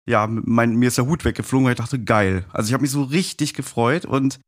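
A man's voice: medium pitch, fairly quick. A man of forty telling personal stories casually as a guest on a podcast. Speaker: podcast guest, fan of audio plays.

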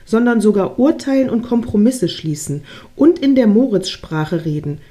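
A woman reading aloud, voicing a patient, proud old male creator god in a storybook tale in a calm tone. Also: mid-range voice, moderate pace, lightly acted.

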